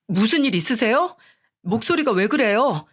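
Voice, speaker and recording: A woman voicing an agitated grown son who scolds his wife in an angry, shouting manner, in a storybook radio reading. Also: a little high, sing-song, normal speed. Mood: alarmed.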